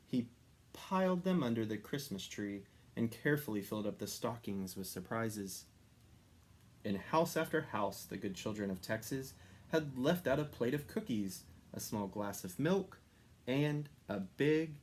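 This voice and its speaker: A man reading a children's story aloud expressively, with dramatic pauses and stressed descriptive words. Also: fairly low pitch. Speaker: story reader.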